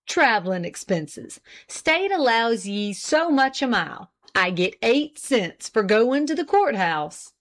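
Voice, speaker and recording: A woman's voice: a little high, sing-song, slow, few pauses, a bit bright, heavily acted. A self-important old farmer husband, as a woman puts him on, boastful and easily offended. He speaks in a raised, indignant rural drawl that swings widely as he holds forth. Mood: pompous indignant.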